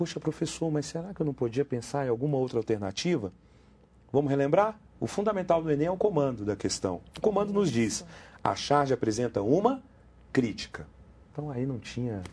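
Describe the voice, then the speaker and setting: A man with a fairly high pitch speaks at a fairly quick pace in a somewhat breathy voice, his dark, mellow tone moving through very wide pitch swings. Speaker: essay-writing teacher. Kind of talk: live educational commentary. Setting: studio.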